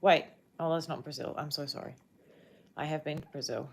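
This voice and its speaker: A woman's voice: deep voice, steady tone, a little fast, vocal fry, slight background noise. A young woman with a New Zealand accent chatting casually with viewers on a livestream, rambling and often searching for words.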